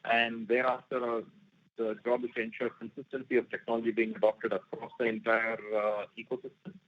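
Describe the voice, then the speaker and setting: A man's voice: medium pitch, monotone, fairly quick. Male executive on tinny phone line. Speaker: company executive moderating investor questions. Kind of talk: earnings call question and answer.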